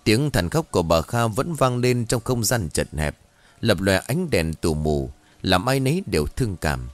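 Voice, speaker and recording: A man narrating a scripted horror story in a dramatic, expressive storytelling manner. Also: on the low side, moderate pace, dry recording. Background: faint music.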